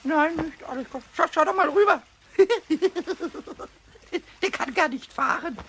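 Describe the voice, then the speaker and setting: A man voicing a small, cheeky, childlike kobold in a children's audio play, high and squeaky, stammering and repeating words. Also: slow pace, creaky, fairly bright tone, full character voice. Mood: gleeful, excited. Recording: faintly noisy old cassette recording.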